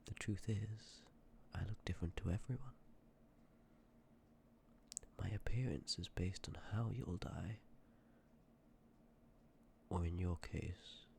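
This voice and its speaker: A man playing a sympathetic, courteous Death in an ASMR roleplay, speaking with measured, formal politeness and often dropping toward a breathy whisper. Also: sits low, darkish tone, slight background noise, heavily acted. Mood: gentle, solemn. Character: sympathetic, courteous personification of Death, calm and ancient. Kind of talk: ASMR roleplay, scripted acting addressed to listener.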